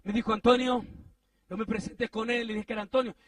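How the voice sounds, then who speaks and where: A man preaching, telling a story in a sermon, animated and rising to shouts at the peaks. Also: fast, distant mic. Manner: animated, swings from low asides to shouted climaxes.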